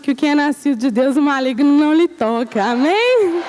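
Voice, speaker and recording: A woman's voice: sits high, expressive, moderate pace, very noisy. A woman giving a church testimony, telling her story with animation and acting out the voices of the people she quotes.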